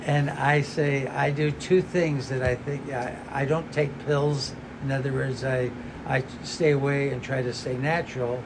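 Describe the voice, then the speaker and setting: A man's fairly high voice with an American accent, monotone and flat in intonation, at a fairly slow pace, with audible room echo and noticeable background noise. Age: 80s+. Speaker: interfaith meeting participant. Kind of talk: group discussion. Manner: halting.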